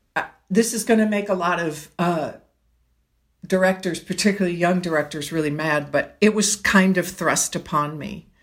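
A woman with an American accent has an ordinary speaking voice and fairly even intonation. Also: fairly low pitch for a woman, moderate pace, very clean recording, silent background. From Oak Park, Illinois. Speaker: stage actor. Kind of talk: interview.

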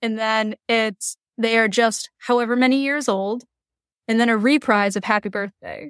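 A woman with an American accent speaks at a moderate pace in an unremarkable speaking voice, fairly high in pitch with fairly even intonation, and the recording is very clean, with a silent background and a dry, close sound with no echo. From Eastern Massachusetts. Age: 30s. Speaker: bereaved sibling. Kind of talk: personal testimony interview.

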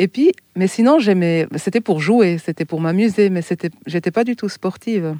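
On a very clean recording with a silent background and dry, close sound with no echo, a woman speaks at a medium pitch and moderate pace in a dark, mellow tone. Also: ordinary pitch variation. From Switzerland, Bern (French-speaking). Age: 40s. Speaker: visually impaired athlete. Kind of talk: personal testimony interview. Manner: hesitant, with repetitions.

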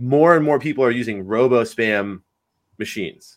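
A man with a plain, everyday voice, medium in pitch and lively in intonation. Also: very clean recording, silent background. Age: 30s. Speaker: sales consultant and cold caller. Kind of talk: interview.

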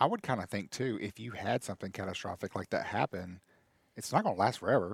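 On a very clean recording with a silent background and a dry, close sound with no echo, a man with an American accent talks at a very fast pace, his fairly low pitch showing ordinary variation. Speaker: podcast producer. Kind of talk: casual chat.

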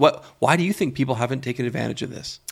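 With a Canadian accent, a man talks at a medium pitch with vocal fry. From Canada. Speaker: podcast host and real estate coach. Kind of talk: casual chat, lively banter. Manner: animated, excitable, fast; loud, expressive.

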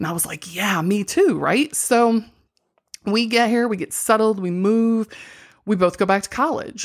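A woman with a Midwestern American accent, a fairly high pitch, ordinary pitch variation, and a moderate pace, in a very clean recording with a silent background. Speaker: podcast host and college professor. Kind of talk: casual monologue. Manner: conversational, many fillers.

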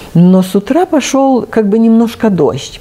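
A woman's fairly high voice swings very widely in pitch as she talks at a moderate pace against noticeable background noise. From Ukraine, Transcarpathia. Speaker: retired churchgoer sharing prayer story. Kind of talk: testimony interview.

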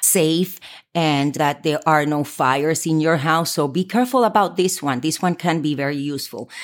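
A woman's fairly low, animated voice with a Spanish accent, ordinary pitch variation and a fairly slow pace, in a very clean recording with a silent background. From Puerto Rico. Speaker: podcast host. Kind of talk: casual solo talk. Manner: animated, laughing often.

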